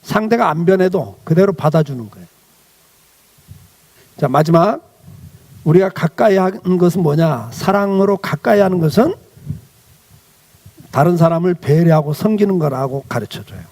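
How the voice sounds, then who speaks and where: A man's voice: fairly high pitch, lively intonation, normal speed, long pauses, a little mellow. A male pastor giving a children's sermon, asking the children questions and then answering them himself.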